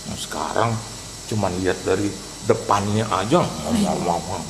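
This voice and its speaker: A middle-aged male pastor preaching a sermon, animated, acting out conversations and mixing in English phrases. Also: low-pitched, normal speed. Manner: animated preacher who acts out dialogues and drops English phrases. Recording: noisy live sermon recording.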